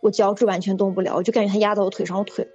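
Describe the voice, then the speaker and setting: A woman's voice: mid-range voice, little pitch movement, racing, a little mellow, husky, muffled recording. A woman, a community health worker, earnestly telling a vivid, repetitive personal story. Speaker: guest telling a ghost story. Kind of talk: casual spoken storytelling.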